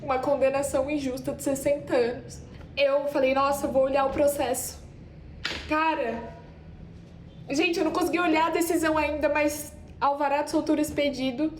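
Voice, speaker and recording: A woman's voice: high voice, steady tone, moderate pace, echoey room, a little hiss or hum. A woman lawyer, overwhelmed and emotional, exclaiming in disbelief at good news. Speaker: defense lawyer. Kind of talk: emotional self-recorded video.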